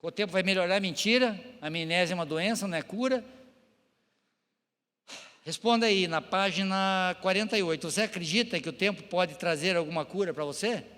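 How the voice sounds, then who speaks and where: Middle-aged male pastor, high voice, emotional halting testimony sermon, long hall reverb. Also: fairly bright tone. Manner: emotional, halting, addresses the congregation directly. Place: church hall.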